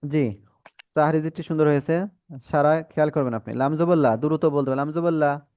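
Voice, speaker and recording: A man with a Bangladeshi accent teaching Quran reading in an online class, patiently correcting students and modelling drawn-out syllables. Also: on the high side, darkish tone, clear, resonant tone, dry recording, dull audio.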